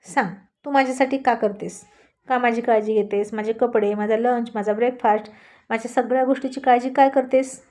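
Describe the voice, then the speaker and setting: A woman voicing a gruff, bossy young husband. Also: fairly high pitch, steady tone, fairly quick, a little mellow, natural voice. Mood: guarded. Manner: blunt, bossy, mocking.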